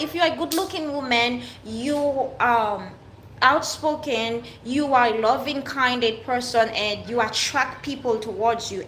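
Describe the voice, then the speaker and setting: A fairly high-voiced woman with a Haitian French accent talks straight to camera in a loose, unscripted monologue. She presses her points hard, repeating herself and restarting sentences. The room is echoey, and a faint hum of ambience sits under her voice. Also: fairly bright tone. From Haiti, raised in France. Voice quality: emphatic, repetitive, with frequent restarts. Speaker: vlogger.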